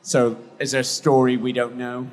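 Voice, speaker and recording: A man's voice: medium pitch, flat delivery, normal speed. A man hosting a live panel interview, playful and joking as he puts questions to his guest. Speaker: host. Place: convention hall stage. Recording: long hall reverb.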